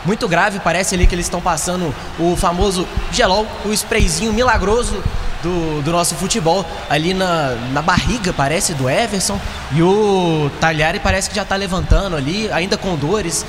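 Brazilian field reporter at a football game, highish voice, loud background noise, hall reverb. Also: male voice, moderate pace. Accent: Brazilian Portuguese. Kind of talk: live radio football reporting.

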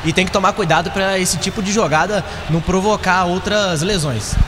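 A Brazilian field reporter on a radio football broadcast describes the action in a conversational, descriptive way, his voice fairly high. Clear outdoor noise sits under a long hall reverb. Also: fairly quick. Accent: Brazilian Portuguese.

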